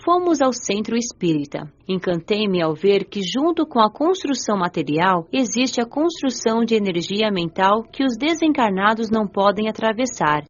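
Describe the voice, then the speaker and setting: A woman playing a gentle, devout young spirit who recounts the afterlife in measured, reflective radio drama narration. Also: mid-range voice, sing-song, muffled recording. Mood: reflective, serene. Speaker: narrator and lead of an audio drama. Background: music.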